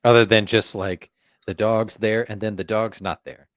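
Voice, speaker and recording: A man co-hosting a casual movie podcast, animated and playful, often dropping into silly voices and sound effects. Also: lowish voice, normal speed, dry recording, clean studio sound. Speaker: podcast co-host.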